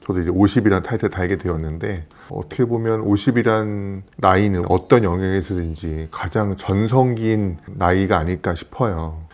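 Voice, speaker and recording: A man's voice: deep voice, normal speed, few pauses, a little mellow. A man in his fifties, a plastic surgeon, telling stories in an earnest, reflective way. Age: 50s. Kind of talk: casual conversational talk.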